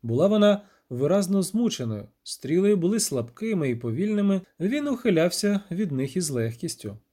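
A man reading a fantasy novel aloud with dramatic, expressive narration. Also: high voice, normal speed. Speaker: audiobook narrator. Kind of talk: scripted narration.

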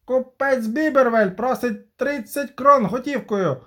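A man voicing a hoarse, pompous furry creature in disguise, with an odd, altered timbre. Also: very high-pitched, unhurried, fairly bright tone, voice pushed up.

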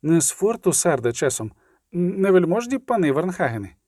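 A man's voice: high voice, very animated, fairly quick, a little mellow, no room sound, clean studio sound, voice pushed up. A man reading an audiobook and voicing a wary male outlaw who grumbles and stays cautious. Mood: uneasy.

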